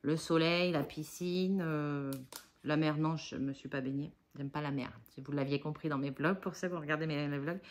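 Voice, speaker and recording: A woman in her forties talks through her shopping haul at home, chatty and rambling, full of fillers and self-mocking asides. Her voice sits a little low. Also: fairly even intonation, moderate pace, a little hiss or hum. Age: 40s. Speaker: budget haul vlogger. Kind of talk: casual haul vlog.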